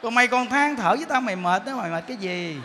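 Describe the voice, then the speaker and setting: Man acting out a nagging wife, high bright voice chewing out her husband, echoey hall. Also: animated, fast talker, slight background noise, heavily acted. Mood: scolding. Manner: scolding, sarcastic questions.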